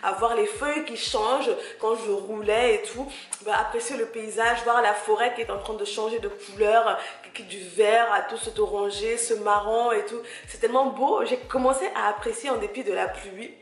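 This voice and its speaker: A woman's voice: mid-range voice, gravelly, echoey room. A woman from Cameroon, chatting casually and encouragingly to her listener as a podcast host, searching for words as she goes. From grew up in Cameroon, living in France. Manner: conversational, hesitant searching for words, addresses listener directly. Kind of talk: casual solo podcast talk, encouraging advice.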